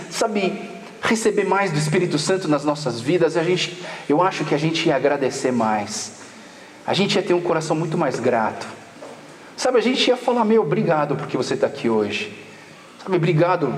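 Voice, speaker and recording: Man, Brazilian Portuguese accent, pastor, high voice, relaxed slangy storytelling, long hall reverb. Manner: casual joking storytelling with slang. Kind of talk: youth camp sermon. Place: large hall at a church camp.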